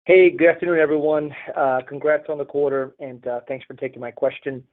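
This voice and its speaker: A man calling in as a financial analyst, asking polite questions in a halting, hesitant way. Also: fairly high pitch, steady tone. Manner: hesitant, halting, repeats words. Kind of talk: polite question on a conference call. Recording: tinny narrow phone line.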